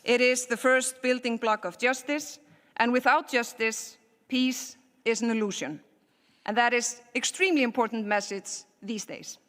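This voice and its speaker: A woman delivering a prepared speech at a high-level panel, in a measured, rhetorical cadence with repeated phrases. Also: fairly bright tone. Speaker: speaker at a parliamentary panel. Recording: long hall reverb.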